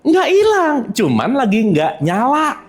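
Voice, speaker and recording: Lively man teaching. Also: extremely high pitch, slow pace. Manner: lively, keeps quizzing the audience. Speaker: religious teacher. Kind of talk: informal spiritual lecture to a live audience.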